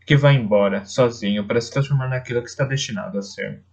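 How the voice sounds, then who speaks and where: A man narrating an audiobook in the first person, with a steady, earnest reading. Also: medium pitch, fast. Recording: dull lo-fi recording.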